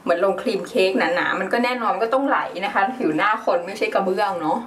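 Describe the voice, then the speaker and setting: A woman's voice: mid-range voice, fast talker, distant mic, a crowd in the background. A woman talking casually through a makeup tutorial at home, explaining each step and acting out little quoted asides. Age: adult, calls herself big sister to viewers. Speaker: beauty vlogger. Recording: voice a bit off-mic with faint room noise.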